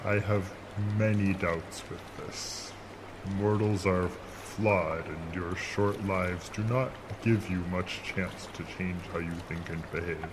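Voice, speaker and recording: Casting: male actor as grave, aloof sea creature, formal diction, very low register, rushing water behind. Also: fairly even intonation, background noise. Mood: grave, doubtful. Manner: formal, measured, stilted speech. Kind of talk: audio drama acting. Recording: loud watery ambience behind voice.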